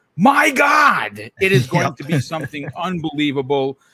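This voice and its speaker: A man's loud, booming put-on character voice, fairly high in pitch, at a moderate pace. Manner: loud booming voice.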